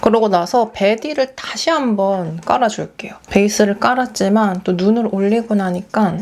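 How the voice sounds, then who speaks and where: A woman's voice: medium pitch, normal speed. A young woman vlogger chatting through a story while doing her makeup, acting out what other people said. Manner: animated storytelling, acting out quoted voices. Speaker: beauty vlogger.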